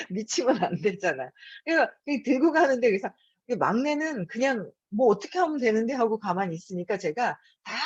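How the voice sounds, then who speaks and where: A woman in her fifties hosts her own channel, telling a story from home in a chatty, casual way and laughing often between words. Her voice is medium-pitched and husky, with no echo, on a dull lo-fi recording.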